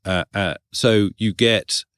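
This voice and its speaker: A middle-aged English man, a voice actor, chatting casually as a podcast guest, thoughtful and quick to laugh. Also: fairly low pitch, fairly even intonation, fairly bright tone, smooth, dry recording, studio quality. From England. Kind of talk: casual interview chat. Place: podcast studio.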